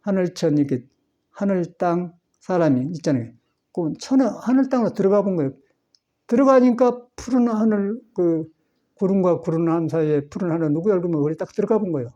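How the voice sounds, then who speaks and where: A man's voice: sits high, animated, fairly quick, dark tone, dull audio. A man, a Buddhist monk, giving a folksy Sunday dharma talk in a temple hall, chatty and meandering with frequent chuckles. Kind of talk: folksy sermon.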